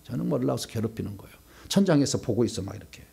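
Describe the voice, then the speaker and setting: A male pastor preaching a sermon, swinging between loud outbursts and hushed asides. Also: mid-range voice, lively intonation, very fast, gravelly, breathy edge.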